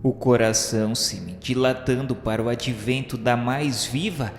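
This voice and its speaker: A man's voice: mid-range voice, moderate pace. Male narrator, Brazilian accent, mid-range voice, formal and solemn radio-novel reading, heavy hall reverb. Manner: formal, literary delivery. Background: music.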